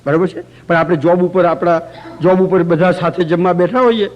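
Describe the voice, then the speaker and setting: A man with a high-set voice leads a religious workshop before a group. He explains points through everyday anecdotes told with a light, humorous touch. He often stops to chant sample phrases aloud himself. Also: steady tone, brisk, highs cut off. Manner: storytelling, demonstrates chanting aloud. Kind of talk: lecture to a live group. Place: community center hall.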